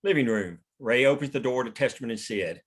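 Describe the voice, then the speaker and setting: A man's voice: mid-range voice, animated, fairly quick, breathy edge. A man narrating stage directions at a scripted table read.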